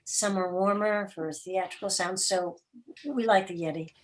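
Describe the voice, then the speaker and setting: A woman answering questions as a guest in a casual online discussion, matter-of-fact, with pauses in the middle of her explanations. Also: mid-range voice, steady tone. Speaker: guest, radio drama producer and interviewer. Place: remote video call.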